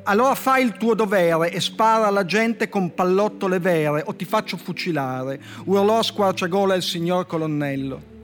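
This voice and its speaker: A man with a Turin accent, a poet guest on a radio show, reading his short comic fables in a dry, deadpan way with slow pauses before the punchlines. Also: sits high. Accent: Italian, from Turin. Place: radio studio. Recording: music bed playing faintly behind.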